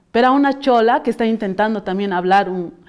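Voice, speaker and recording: A woman speaks at a fairly high pitch, her intonation lively. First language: Aymara (speaking Spanish). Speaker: radio broadcaster and feminist activist. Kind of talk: interview.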